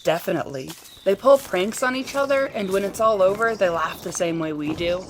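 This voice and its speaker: A woman's voice: mid-range voice, expressive, fairly quick, natural voice. Actress as an earnest woman, noisy recording. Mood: sincere, assured. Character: earnest woman who secretly watches Sasquatch, easily moved. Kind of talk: audio drama dialogue.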